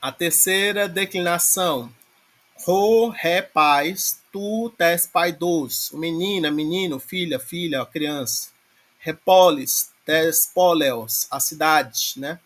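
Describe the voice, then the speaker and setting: Guy teaching a class online, patient, keeps checking everyone's following, kinda high voice. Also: takes it slowly, fairly bright tone. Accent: Brazilian Portuguese. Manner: explains patiently with many filler checks like "né?". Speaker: Greek language teacher. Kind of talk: online lecture on grammar.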